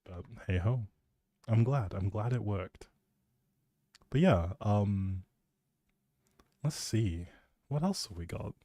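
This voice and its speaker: A man's voice: fairly low pitch, expressive, slow, long pauses, mellow, dry recording, clean studio sound. A young man rambling casually on a game livestream, playful and jokey as he chats back to viewers. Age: young adult. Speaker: live streamer and audio creator.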